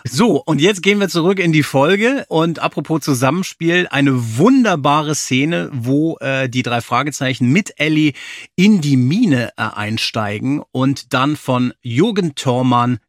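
A man's voice: a little high, animated, measured pace, dry recording, studio quality. A man hosting a podcast in a jokey, casual interview style. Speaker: podcast host.

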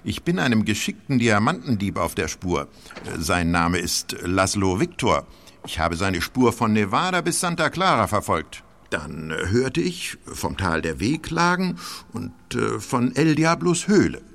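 Gravelly, stern detective. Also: male voice, fairly low pitch, sing-song, a little slow, fairly bright tone, exaggerated voice. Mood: grave, urgent. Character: stern insurance detective on a thief's trail. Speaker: actor in an audio drama. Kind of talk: German audio drama acting.

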